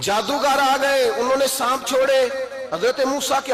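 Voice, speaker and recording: A man speaks at an extremely high pitch. Noticeable background noise sits behind him. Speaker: Islamic preacher. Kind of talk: Islamic sermon (bayan). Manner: emotional, passionate.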